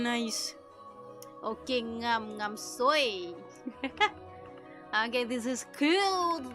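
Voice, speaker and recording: Slow-paced, higher-voiced woman livestreaming. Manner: mutters to self, exclaims, mixes in Japanese phrases. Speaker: streamer voicing a visual novel. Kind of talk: casual livestream chat. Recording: music behind the voice. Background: music.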